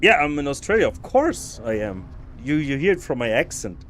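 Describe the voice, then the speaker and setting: A man's voice: fairly high pitch, very animated, normal speed, a bit bright, slight background noise. A man streaming a stealth game live, musing aloud to himself and chatting casually with his viewers, often restarting his sentences. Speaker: podcast host streaming a game. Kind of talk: casual live gameplay commentary.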